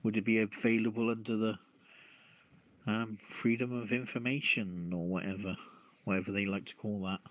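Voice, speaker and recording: A man's voice: lowish voice, fairly even intonation, normal speed. A man co-hosting a casual radio chat about the news, musing and jokey, often posing questions. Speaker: radio show co-host. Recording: muffled lo-fi audio.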